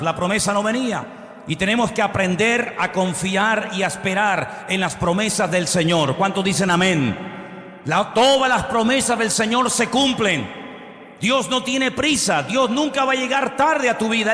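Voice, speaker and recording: A man's voice: sits high, bright, forceful tone. A man from preaching a sermon emphatically, asking the congregation questions and acting out quotes. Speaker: pastor. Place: church hall. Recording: echoey hall reverb.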